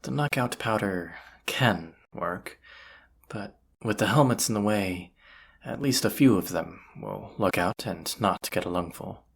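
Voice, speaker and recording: Actor doing a folksy bandit boss, real low and raspy, wry, talking right to you like an audio roleplay. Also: a little slow, exaggerated voice. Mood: pondering, uncertain. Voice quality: gravelly, husky low voice. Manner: folksy, conversational, hushed at times. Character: folksy bandit leader, wry, plain-spoken, planning a heist. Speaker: character voice actor. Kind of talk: immersive audio roleplay acting, addressing the listener.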